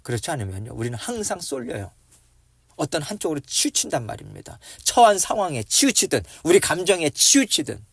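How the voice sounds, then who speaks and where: A male pastor giving an early-morning prayer sermon, earnest, moving between hushed whispers and loud outbursts. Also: mid-range voice, gravelly, breathy edge, no echo.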